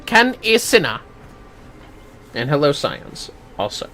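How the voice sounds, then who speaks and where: A man chats casually through a game livestream. His voice sits a little high and moves around a lot in pitch. He mutters offhand asides as he goes, with music faintly behind him. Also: very animated, slow, pushed and bright. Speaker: game streamer. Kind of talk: casual livestream commentary and read-aloud.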